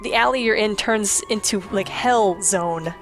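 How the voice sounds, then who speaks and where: A woman's voice: mid-range voice, a little slow. A woman doing chatty, opinionated let's play commentary on a video game in a casual way. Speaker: host playing and presenting a video game. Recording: game music behind the voice. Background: video game music.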